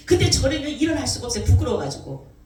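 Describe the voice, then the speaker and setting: A woman's voice: sits high, fast talker, noisy background. A woman pastor telling a personal testimony in a sermon, acting out what people said. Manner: animated storytelling, acting out quoted voices. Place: church sanctuary. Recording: echoey church hall mic from a distance.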